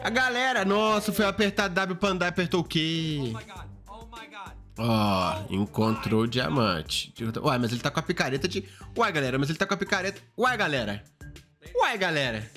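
A man, a gaming YouTuber, reacting to game clips in an excitable, exclamatory way, swinging from jumpy high shouts to low mutters. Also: normal speed, soft background music.

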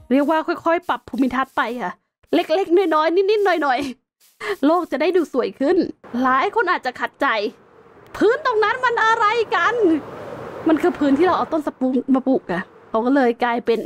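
Woman streamer, casual gameplay chatter with playful sound-effect words, high voice, faint music bed. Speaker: gaming streamer. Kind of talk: casual Minecraft gameplay commentary.

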